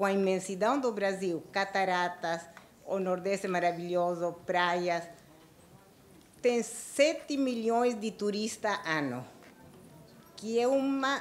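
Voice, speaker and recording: A woman's medium-pitched voice rises and falls with lively intonation, moving at a very slow pace broken by long, frequent pauses. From Chile. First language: Spanish (speaking Portuguese). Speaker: audience member. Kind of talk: audience question at panel.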